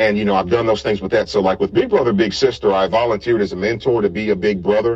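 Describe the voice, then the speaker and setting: With a Mississippi accent, the speech runs at a very fast pace with hardly any pauses. The intonation stays fairly even. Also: man, fairly low pitch for a man. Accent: Southern US (Mississippi). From US South, Mississippi. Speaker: trade school alumnus and community volunteer. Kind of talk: interview.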